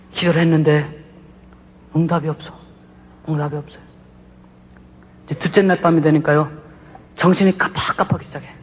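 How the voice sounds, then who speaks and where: A man giving a church testimony in sermon style, passionate and pleading, his voice swinging between hushed and loud. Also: sits high, slightly rough. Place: church sanctuary. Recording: muffled hall recording with faint hiss.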